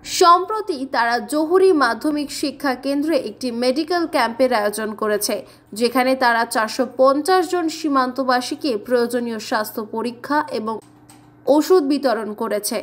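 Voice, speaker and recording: High-voiced woman reading the news. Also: brisk. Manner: formal, steady bulletin delivery. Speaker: news anchor.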